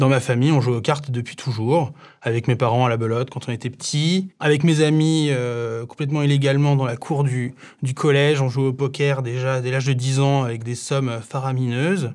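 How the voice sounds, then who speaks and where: The recording is very clean, and the background is silent. Delivery holds a moderate pace with fairly even intonation. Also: man, medium pitch for a man. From France, Paris. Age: 30s. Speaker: sound technician. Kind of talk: personal testimony. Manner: hesitant, many filler sounds.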